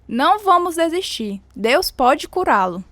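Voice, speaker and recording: A woman's voice: high voice, sing-song, measured pace. A woman with a Brazilian accent playing a worried, faithful mother in a radio drama, earnest and pleading. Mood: hopeful, determined. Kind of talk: dramatized radio story acting.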